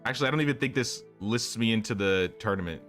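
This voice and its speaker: A man's voice: fairly low pitch, fast, a bit bright, faint music behind. Chatty man streaming a game. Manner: chatty, talks to chat while playing. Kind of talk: casual gameplay commentary.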